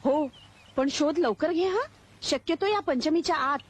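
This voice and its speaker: A woman's voice: high voice, unhurried. An actress playing a fiery young village woman who scolds and threatens to protect the man she loves. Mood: worried. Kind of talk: comedy film acting. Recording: film soundtrack with background noise.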